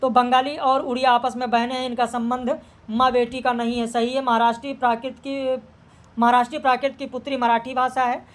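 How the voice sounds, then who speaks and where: High-voiced woman teacher, flat delivery. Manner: brisk, steady, matter-of-fact answer checking. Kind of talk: exam practice lesson, reading out questions and answers.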